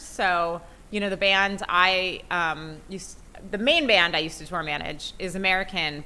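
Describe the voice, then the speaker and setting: Bright-voiced woman hosting a talk. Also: fairly low pitch. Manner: casual, explanatory, conversational. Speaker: podcast host. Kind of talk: spoken presentation to an audience.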